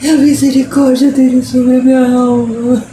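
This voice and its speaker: A woman's voice: high-pitched, little pitch movement, normal speed, dark tone. A woman speaking in a tearful, emotional devotional vlog, laughing through tears and repeating her phrases. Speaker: artist sharing her faith. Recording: roomy echo with faint background noise.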